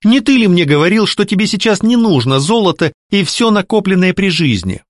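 A proud young mistress of a haunted house, played by a man reading aloud. She mocks and scolds with a sharp, lilting voice that climbs high. The sound is dry and close to the mic. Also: sing-song, a little fast, dry recording. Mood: mocking. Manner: mocking, scolding, ironic. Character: sharp-tongued young woman, lady of the house. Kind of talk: audiobook character voicing.

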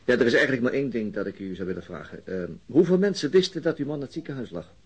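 An actor playing a brooding, weary middle-aged police inspector in a radio play, with terse, probing, self-questioning delivery and a husky voice. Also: male voice, mid-range voice, expressive, racing, close to an everyday voice. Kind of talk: radio play acting, inner monologue and questioning.

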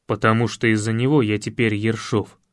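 A man voicing a gruff, hoarse middle-aged male wrestling coach who talks low and clipped. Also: level tone, fairly quick, no echo, clean studio sound, lightly acted. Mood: grim. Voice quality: husky.

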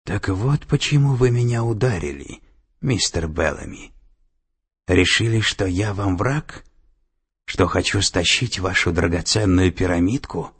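A man's voice: on the low side, unhurried, vocal fry, breathy edge, pitched above the performer's own voice, heavily acted. A man voicing a cold, domineering female security director, with an icy, commanding and menacing manner. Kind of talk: audiobook character voice.

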